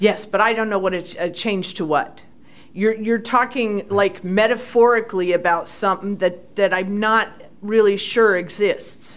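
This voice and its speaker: Medium-pitched woman at a moderate pace, her intonation fairly even, an ordinary speaking voice. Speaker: county commissioner. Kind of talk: committee meeting debate.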